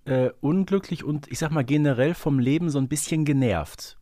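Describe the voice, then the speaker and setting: A man's voice: fairly high pitch, moderate pace, mellow, no room sound, clean studio sound. A man co-hosting a podcast, talking through a topic in casual, conversational speech. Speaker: podcast co-host.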